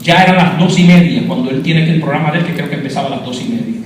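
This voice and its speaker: Man, preacher's testimony, fervent, high voice, far from the mic, booming echo, noisy. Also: very fast. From Puerto Rico. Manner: fervent, addresses listeners as brother. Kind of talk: testimony sermon. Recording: echoey hall, distant mic, noisy.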